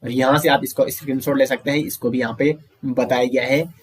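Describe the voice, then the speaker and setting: A man with an Uttarakhand Hindi accent teaching Hindi grammar in an online exam-prep lesson, explaining step by step and sounding out letters slowly to show how they are said. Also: medium pitch, fairly even intonation, breathy edge. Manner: explains step by step, often says "दोस्तों" and "ठीक है".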